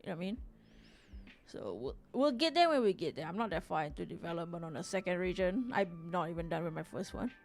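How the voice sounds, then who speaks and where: A woman from Singapore hosts a live drawing stream, chatting casually as she reads the chat aloud and rambles with frequent restarts. Her voice is lowish and fast, with lively intonation.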